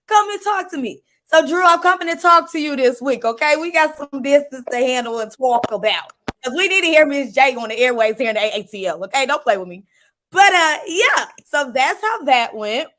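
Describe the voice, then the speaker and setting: An American woman in her thirties with a slightly hoarse voice, telling stories in an animated, slangy way as a talk show co-host. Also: high-pitched, brisk, a little hiss or hum. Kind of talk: lively casual chat.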